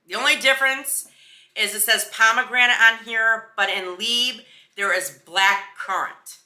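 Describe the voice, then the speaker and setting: A woman's voice: a little high, fairly even intonation, a little slow, bright, forceful tone. A woman giving a casual, chatty beauty product review in a sassy, emphatic, slangy way. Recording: roomy indoor echo.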